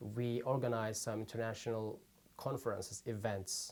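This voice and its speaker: A man at a medium pitch, fairly slow pace, with a Turkmen accent. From Turkmenistan. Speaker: filmmaker and immigrant interviewee. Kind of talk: oral history interview. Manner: halting, non-native phrasing.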